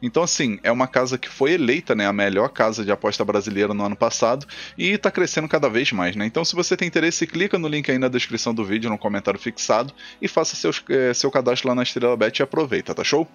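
Fast-talking Brazilian man giving football tips. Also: mid-range voice, expressive, fairly bright tone, muffled recording. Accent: Brazilian Portuguese. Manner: chatty, frequent "né?" and "tá, galera?" tags. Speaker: football betting tipster. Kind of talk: casual commentary over screen share.

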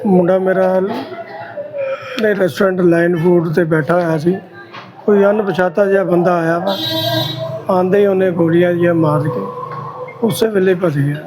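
High-voiced older Punjabi man. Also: lively intonation, moderate pace, long pauses. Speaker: victim's father, interviewee. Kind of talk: news interview testimony. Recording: busy crowd noise around.

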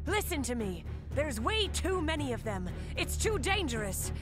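A woman's voice: sits high, big pitch swings, moderate pace. A woman voicing a bossy, exasperated griffin leader in a comic dub, curt and scolding. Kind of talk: amateur animated comic dub acting. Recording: music behind the voice. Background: music.

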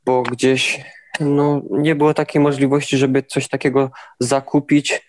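A young man answering interview questions in an even, steady way, now and then restarting words. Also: mid-range voice, unhurried. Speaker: interviewed athlete.

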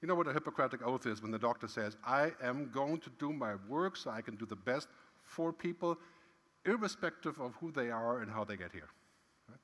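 A man's voice: mid-range voice, a little fast. Middle-aged male keynote speaker, casual and emphatic, hall echo. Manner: conversational, frequent "right?" tags, lively emphatic swings. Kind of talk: conference keynote talk. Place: large conference hall stage. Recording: long hall reverb.

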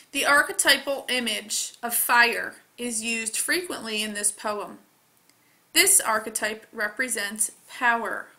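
A woman teacher reading scripted test questions aloud in a deliberate, carefully enunciated way. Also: fairly high pitch, sharp tone.

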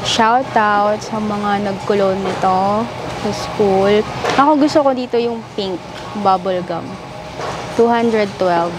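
Young female vlogger, casual and chatty, mid pitch, filmed at arm's length in a busy store. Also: slow. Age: young adult. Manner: chatty, reads out prices and product names. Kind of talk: casual vlog narration while shopping. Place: large air-conditioned supermarket. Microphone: handheld camera at arm's length. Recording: noisy store ambience.

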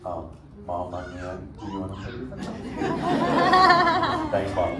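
A man performing in a live interactive theme show voices a laid-back surfer sea turtle, drawling "dude" and "man" as he talks with the audience. His medium-pitched, exaggerated voice swings widely in pitch, moves slowly, and sounds bright and forceful. The roomy, distant-mic recording carries ambient noise and a faint crowd.

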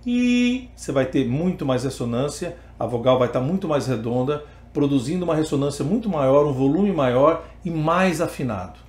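A man's voice: on the high side, lively intonation, moderate pace, hardly any pauses, darkish tone, reverberant. A man with a Brazilian Portuguese accent teaching an online singing lesson, explaining step by step between sung vowel demonstrations. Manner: explains step by step, then sings vowel examples.

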